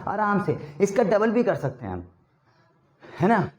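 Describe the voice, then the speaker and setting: A man's voice: high voice, sing-song, unhurried. Chatty Hindi-accented male English teacher. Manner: chatty, addresses class with rhetorical checks. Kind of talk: classroom spoken-English lesson. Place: classroom.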